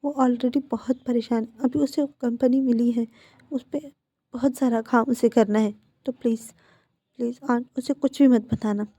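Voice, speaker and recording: A woman's voice: fairly high pitch, steady tone, moderate pace, mellow, no echo, highs cut off. A woman voicing an upset, frightened young man in a narrated fan-fiction story, speaking in a pleading, agitated way. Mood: shaken pleading.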